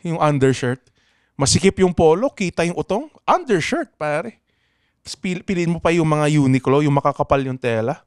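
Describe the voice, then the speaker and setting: A man's voice: a little high, lively intonation, normal speed, smooth, no room sound, studio quality. A young man with a Pangasinan accent hosting a comedy podcast, reading listener letters with a lot of swearing and laughter. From Philippines. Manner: swears freely, laughs often, code-switches. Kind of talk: casual comedic podcast chat.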